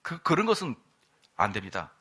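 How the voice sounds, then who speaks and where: A middle-aged male pastor preaching a sermon at an evening church service, quizzing the congregation and throwing in quick asides. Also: medium pitch, wildly swooping pitch, bright, forceful tone, a little hiss or hum.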